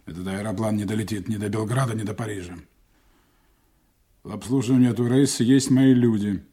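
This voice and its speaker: A man's voice: fairly low pitch, fairly even intonation, brisk, dark tone, slightly rough. A man acting a cold, commanding spymaster in an audio drama, terse and unsentimental in his clipped speech. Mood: cold, businesslike.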